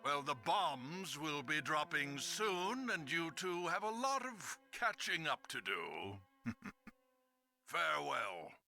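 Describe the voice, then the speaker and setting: An actor playing a cold, scheming government official in a video game, measured and condescending. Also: male voice, fairly high pitch, sing-song, creaky, pushed and bright, soft background music, exaggerated voice. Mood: contemptuous gloating. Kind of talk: dramatic video game voice acting.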